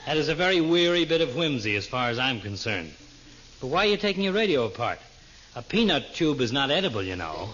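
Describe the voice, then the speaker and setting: An actor playing a sardonic family doctor who delivers dry, wordy put-downs in 1940s radio comedy style. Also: male voice, mid-range voice, big pitch swings, a little fast, fairly bright tone. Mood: dry, mocking. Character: droll, sardonic family doctor trading insults. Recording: very noisy, muffled old radio recording.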